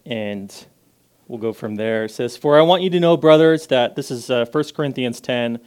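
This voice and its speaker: Casting: man, guest preacher, loud and casual, clear and smooth tone. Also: medium pitch, normal speed. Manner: loud, casual and self-deprecating, reads scripture with rising emphasis, prays softly. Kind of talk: informal sermon with scripture reading and prayer.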